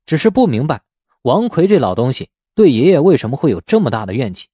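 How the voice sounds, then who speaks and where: A man's voice: mid-range voice, very animated, fast, dark tone, husky, no room sound, clean studio sound. A man narrating a novel as a scripted, dramatic audiobook.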